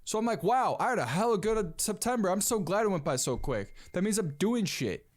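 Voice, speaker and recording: A young man in his twenties, voice pitched high and pace a touch quick, runs a casual one-man podcast. His talk is rambling and lively, peppered with "dude" at every turn.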